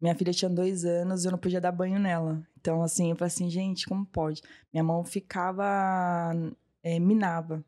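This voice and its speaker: A woman's voice: lowish voice, flat delivery, brisk, warm tone. A woman in her thirties, a massage therapist, telling her story in a casual interview and acting out what people said to her. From Brazil. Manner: storytelling, often acting out what she and others said.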